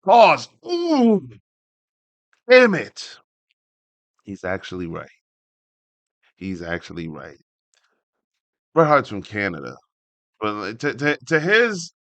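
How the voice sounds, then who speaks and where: A man hosting a casual read-along, reading an article aloud and breaking in with animated asides of his own. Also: a little high, clear, resonant tone, dry recording. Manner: animated asides, interrupts himself while reading. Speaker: host reading a wrestling article aloud with commentary.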